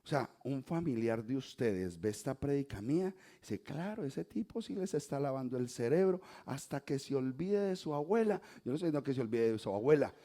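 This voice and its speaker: A middle-aged Colombian man with a softened Colombian Spanish accent, preaching a sermon that swings from quiet asides to loud emphatic exhortation. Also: mid-range voice, animated, fairly quick, hardly any pauses. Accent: Colombian Spanish, softened toward neutral. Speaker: pastor.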